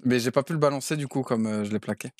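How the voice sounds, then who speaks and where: A man's voice: medium pitch, fast talker, no echo. A man streaming a roleplay game as a cheeky defendant, talking in slang and laughing often. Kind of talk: in-character roleplay chat.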